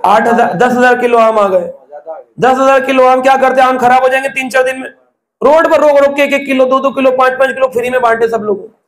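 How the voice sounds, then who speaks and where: In a reverberant recording, a man speaks a little fast in a very high, steady voice. He is a preacher giving a devotional talk, weaving in stories and asking the audience rhetorical questions.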